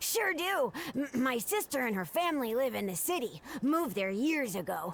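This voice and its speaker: A put-on character voice, fairly high in pitch with very wide pitch swings, at a moderate pace over light background noise. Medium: video game. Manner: warm, enthusiastic.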